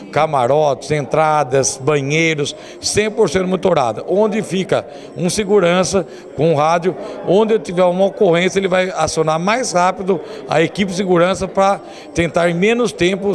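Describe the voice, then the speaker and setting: A man in his forties with a Brazilian accent, a rodeo organiser answering questions in a TV interview. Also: a little high. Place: indoor lobby. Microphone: handheld interview microphone. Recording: people audible in the background.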